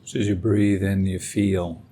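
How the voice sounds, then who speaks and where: Slow, low-voiced man guiding meditation. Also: flat delivery, husky. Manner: gentle, unhurried, soothing, with long pauses. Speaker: meditation teacher and podcast host. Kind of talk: guided meditation, calm instruction.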